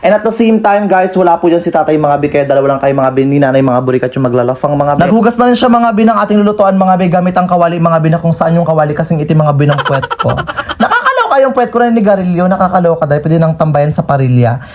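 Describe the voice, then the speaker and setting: A young man from the Philippines narrates his family food vlog in a teasing, campy comedic voice-over. He talks very fast, in a slightly high voice, tossing in playful asides. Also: darkish tone. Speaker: vlogger.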